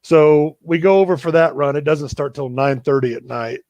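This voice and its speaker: Gravelly-voiced man telling a running story. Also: on the high side, moderate pace, no echo. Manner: relaxed, self-deprecating storyteller. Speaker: running coach and show host. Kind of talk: casual storytelling in a live video chat.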